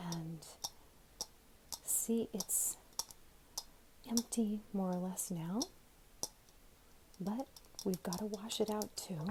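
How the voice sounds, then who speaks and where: Soft-spoken, a woman talks at a very slow pace. Her medium pitch carries fairly even intonation. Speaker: ASMR creator. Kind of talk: ASMR soft-spoken tutorial.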